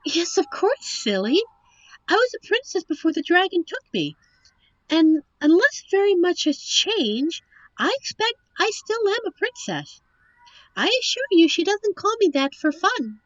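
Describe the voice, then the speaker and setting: A woman playing a captive young princess in a roleplay audio drama, witty and wistful, with genteel, formal storybook phrasing and thoughtful pauses. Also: very high-pitched, big pitch swings, a bit bright, no room sound, highs cut off, full character voice. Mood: hesitant, wistful. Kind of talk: roleplay audio drama, one side of a dialogue.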